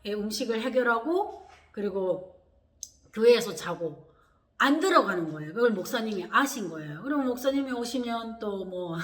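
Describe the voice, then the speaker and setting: A woman's voice: a little high, moderate pace. Woman telling her story vividly. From North Korea. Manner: animated, acts out quoted voices with gasps and laughs. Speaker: vlogger. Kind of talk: personal storytelling. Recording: echoey room.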